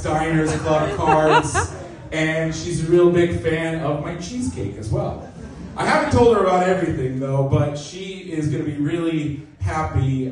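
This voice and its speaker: A young man from Canada doing a self-mocking, deadpan stand-up set in a comedy club, with lots of "you know". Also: a little high. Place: comedy club stage, live audience. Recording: echoey club recording from a distance. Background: audience laughter.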